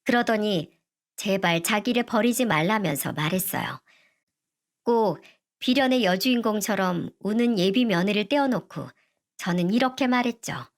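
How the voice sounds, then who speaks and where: A middle-aged woman narrating a first-person family story in a steady, even manner. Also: mid-range voice, normal speed.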